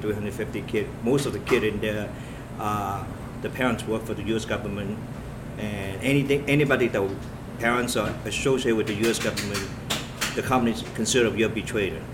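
A man from Vietnam, a police officer telling his story in an interview in earnest, halting short phrases. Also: lowish voice. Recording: noisy room with steady background hum.

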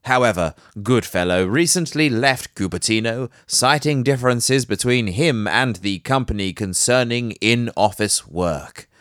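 A man's voice: medium pitch, measured pace, hardly any pauses, a bit bright, dry recording, clean studio sound. A man hosting a casual tech news podcast. He is nasal from hay fever and breaks up the news with joking asides. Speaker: podcast host.

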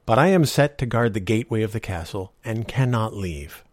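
A man's voice: fairly low pitch, lively intonation, brisk, dry recording, clean studio sound. A man voicing a steadfast knight who refuses to leave his post, speaking firmly. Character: steadfast young knight on guard duty.

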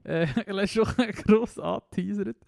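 A young man with a Swiss German accent, co-hosting a podcast in rapid, chatty casual talk and laughing easily. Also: high-pitched, gravelly, darkish tone, no room sound, clean studio sound. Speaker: podcast co-host. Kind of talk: casual chat.

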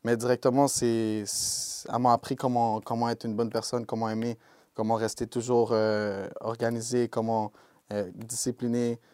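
A young man speaks with a Québécois French accent, easygoing and unhurried, sprinkling English slang through his answers. His voice is mellow and warm. The recording is close and dry. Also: medium pitch, level tone, clean tone, no echo. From Quebec, Canada. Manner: laid-back, peppered with English slang like "yo" and "bro". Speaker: rapper, interview guest. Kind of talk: casual interview talk.

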